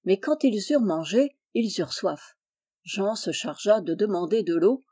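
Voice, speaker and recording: Woman, audiobook narration, mellow warm tone, calm measured pace. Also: medium pitch, husky. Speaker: audiobook reader. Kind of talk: scripted narration.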